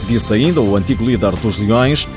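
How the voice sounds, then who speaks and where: A man's voice: lowish voice, moderate pace. A man with a European Portuguese accent reading a scripted sports news report as a radio reporter, over a music bed.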